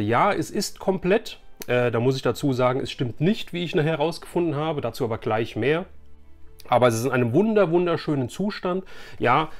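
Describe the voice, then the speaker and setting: Chatty, enthusiastic man from Germany. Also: medium pitch. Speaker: YouTube host, toy collector. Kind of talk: casual chat to camera. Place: small furnished room lined with shelves of collectibles.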